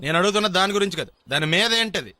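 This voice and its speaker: An actor playing a cheeky young man who talks back in quick, rambling comic lines in a film comedy scene. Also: high-pitched, lively intonation, bright, forceful tone, no echo, clean studio sound, exaggerated voice. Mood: indignant. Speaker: comic lead. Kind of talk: Telugu film comedy acting.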